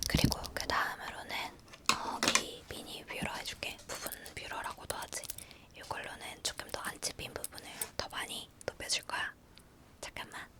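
A woman whispers at a moderate pace, with long, frequent pauses. Noticeable background noise runs under her voice. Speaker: ASMR creator. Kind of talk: ASMR makeup roleplay, whispered chatting. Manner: whispered, soft, chatty.

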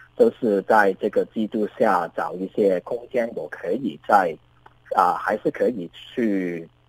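The sound is dry, with no echo. A man speaks at a very slow pace. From Hong Kong. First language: Cantonese (speaking Chinese). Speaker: former secondary school teacher; former teacher telling his story. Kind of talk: interview. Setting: remote call. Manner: halting. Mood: calm, measured, serious. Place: hall. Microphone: handheld.

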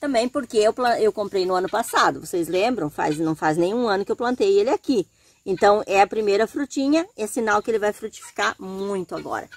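A woman speaks with lively intonation at a fairly quick pace in a dry sound with no echo. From Rio Grande do Sul, Brazil. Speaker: small-farm vlogger. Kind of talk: casual vlog tutorial. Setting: outdoors. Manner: animated. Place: garden. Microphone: phone near.

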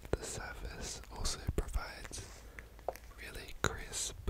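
Whispering and soft-spoken, a man talks at a very slow pace. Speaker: ASMR creator. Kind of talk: soft whispered ASMR talk. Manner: soft close-mic ASMR whisper. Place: home room. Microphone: studio mic.

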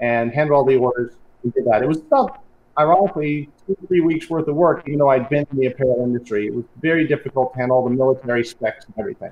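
A man with an American accent talks at a very fast pace, his fairly high pitch moving with ordinary variation. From US South. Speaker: film producer and entrepreneur. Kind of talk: interview. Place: home room. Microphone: webcam.

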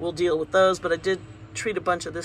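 A woman's relaxed, fairly low voice with vocal fry. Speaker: plant vlogger. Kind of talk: casual garden walkthrough. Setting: outdoors in garden, filming. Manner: chatty, relaxed.

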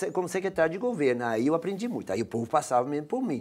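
A man is speaking. The background is quiet. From Belgium, Ypres (Flemish region); Belgium. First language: Dutch (Flemish) (speaking Portuguese). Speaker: theology professor and social activist; interview guest. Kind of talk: interview; interview answer. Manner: halting. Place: studio. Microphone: lapel.

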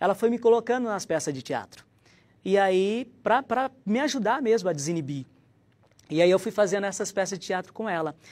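Here a man with a high pitch talks at a moderate pace. His intonation is lively, and his loudness swings a lot. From Brazil, São Paulo state interior. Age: 40s. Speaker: actor. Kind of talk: interview. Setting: studio. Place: studio. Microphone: lapel.

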